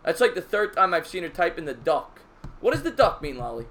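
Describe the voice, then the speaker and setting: A man's voice: a little high, big pitch swings, a little fast, a bit bright, a little hiss or hum. Stammering male call-in show host. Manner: stammering, repeats words before getting going. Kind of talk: casual call-in chat.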